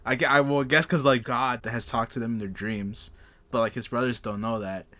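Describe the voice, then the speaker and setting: A man co-hosting a podcast in casual chat, excitable and sarcastic, swearing freely. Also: mid-range voice, moderate pace. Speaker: podcast co-host.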